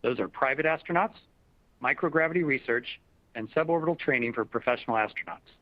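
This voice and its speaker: A man speaking as a chief executive, giving a prepared earnings presentation in a formal, measured corporate style. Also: medium pitch, no echo. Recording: dull, dry conference call audio.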